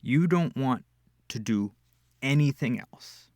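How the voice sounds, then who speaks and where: Man acting a smug, seductive incubus with creaky voice. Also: mid-range voice, expressive, takes it slowly, a little mellow, no room sound, studio quality. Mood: incredulous. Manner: theatrical, teasing, purring, breathy asides. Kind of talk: intimate ASMR roleplay audio.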